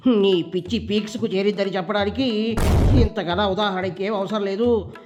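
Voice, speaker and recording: A man with a high voice hosts a mocking comedy show, teasing in a sing-song tone. His voice-over sounds dull and lo-fi. Music plays clearly behind him. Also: steady tone, normal speed. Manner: teasing, sing-song, keeps tacking on a fond "babu". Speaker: satirical show host.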